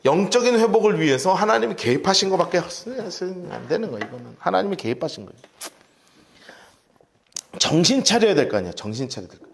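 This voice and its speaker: A middle-aged male pastor teaching a Bible-study sermon in a church. His pitch sits a little high and swings widely, and he acts out the cries as he tells the story. Now and then he stops to tell his listeners which verses to mark. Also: brisk, creaky, slight background noise. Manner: animated storytelling with shouted acted-out cries. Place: church sanctuary.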